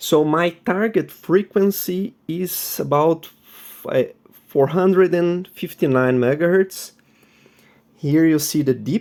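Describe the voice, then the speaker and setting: Speaking at a very slow pace, a man with a non-native accent uses a high pitch and ordinary pitch variation. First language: not English. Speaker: amateur radio hobbyist. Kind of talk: tutorial. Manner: halting.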